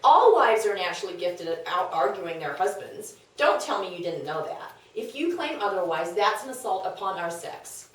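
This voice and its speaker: A woman's voice: on the low side, very animated, normal speed, few pauses. A woman playing a scheming, worldly confidante in a comedic table read, persuasive, knowing and emphatic. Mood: egging on. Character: scheming, worldly, brash female confidante of a wife. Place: echoey room, away from mic. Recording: very echoey room, distant mic.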